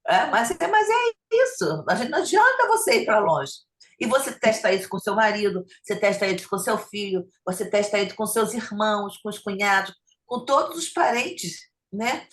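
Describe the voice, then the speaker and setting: A woman speaking in a casual online study group, animated and repeating phrases for emphasis, over a video call. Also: medium pitch, normal speed.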